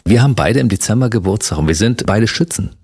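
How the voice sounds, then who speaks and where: A man's voice: fairly low pitch, animated, fast, a little mellow, breathy edge. A man from Berlin with a Berlin accent, hosting a casual interview in an upbeat, teasing way. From Germany. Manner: upbeat, teasing, laughs along. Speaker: host.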